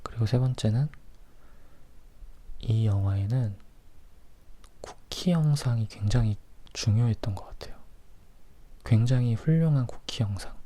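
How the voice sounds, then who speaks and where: A man whispers a casual ASMR film review in a breathy, hushed voice, as if leaning in close to the listener. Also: mid-range voice, unhurried, pauses often, slight background noise. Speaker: host of a film review series.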